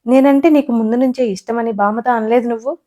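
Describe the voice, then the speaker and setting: A woman voicing a young wife who is touchy and quick to pout, with a sulky, teasing way of talking. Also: on the high side, fairly even intonation, warm tone, highs cut off, close to an everyday voice. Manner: sulky, teasing back and forth.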